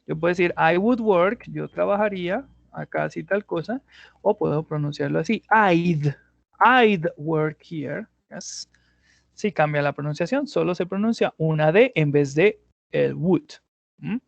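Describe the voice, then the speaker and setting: A man's voice: on the high side, moderate pace, creaky, no room sound, lo-fi sound. A male English teacher explaining grammar in an online class, patiently going step by step and often checking in with his students.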